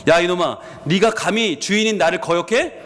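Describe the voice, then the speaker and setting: A man voicing an angry master who scolds and shouts at his donkey, in a reverberant hall. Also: sits high, a little fast. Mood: furious scolding.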